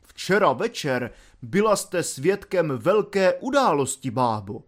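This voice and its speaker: Audiobook role: man playing a bossy, self-important sergeant, lively and loud when barking orders. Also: fairly high pitch. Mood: solemn. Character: pompous stern male gendarme sergeant.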